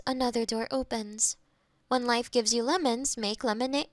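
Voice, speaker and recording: Girl acting as a high-voiced robot girlfriend, super polite n formal, talks slow, close dry mic, audio roleplay. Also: no echo. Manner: stilted, formal, precise robotic phrasing. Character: female AI girlfriend companion, polite, eager to please, malfunctioning. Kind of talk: scripted intimate roleplay audio. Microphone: close binaural microphone.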